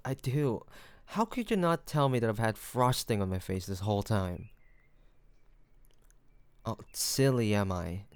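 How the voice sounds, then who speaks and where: A man playing a smitten, courteous mafia boss in an intimate romantic audio roleplay, speaking haltingly with bashful hesitations. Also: on the low side, a little mellow, dry recording. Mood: flustered, amused.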